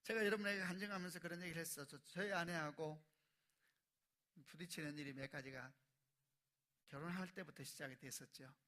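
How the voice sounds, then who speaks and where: Male pastor, 40s, sermon delivery; bright, forceful, fairly high voice with surging emphatic climaxes. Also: a little fast, long pauses. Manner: storytelling, swells to loud emphatic peaks.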